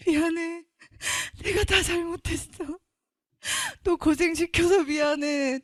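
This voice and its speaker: A woman's voice: high-pitched, dry recording, studio quality. A woman giving an earnest, emotional Christian testimony. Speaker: testimony speaker.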